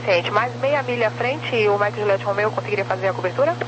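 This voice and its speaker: A woman's voice: mid-range voice, fast, dull audio. A Brazilian woman working as an air traffic controller, giving clipped procedural instructions over the radio.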